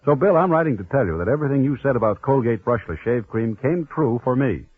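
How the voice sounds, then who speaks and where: A man's voice: mid-range voice, lively intonation, fast talker, breathy edge, no room sound. A man playing a satisfied golfer reading a folksy, scripted testimonial letter in a 1940s radio ad. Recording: tinny, lo-fi vintage radio recording.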